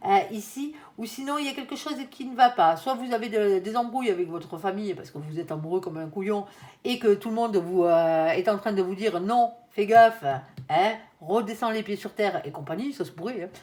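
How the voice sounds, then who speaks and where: A woman's voice: medium pitch, a little fast, a little mellow. A woman reading tarot cards for her viewers in a chatty, casual way, often tagging her sentences with little asides. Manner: chatty, constant "hein", playful asides. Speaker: tarot reader.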